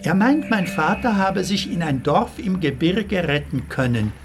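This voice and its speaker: A man's voice: high-pitched, animated, a little slow, a little hiss or hum. An actor playing a proud retired plasterer in his seventies in a radio play, telling his family's war story earnestly. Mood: somber. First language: Italian.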